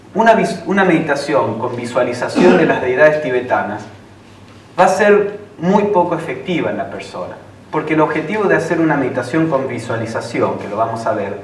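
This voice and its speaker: A man with a fairly high pitch talks at a fairly quick pace with very wide pitch swings. Audible room echo and noticeable background noise fill the recording. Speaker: lecturer on theosophy and meditation. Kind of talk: lecture. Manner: halting, many repetitions.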